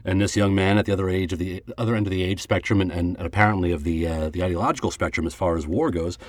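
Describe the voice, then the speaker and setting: A man hosting a podcast in casual chat. He talks haltingly, laughs easily and often agrees with his co-host. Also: low-pitched, dry recording, studio quality. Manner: halting, quick to laugh and affirm.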